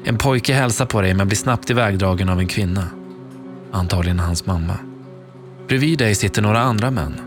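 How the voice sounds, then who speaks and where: A man reading a second-person dramatic audio story in a slow, hushed storytelling manner. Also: lowish voice. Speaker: narrator. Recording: narration over clear background music. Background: music.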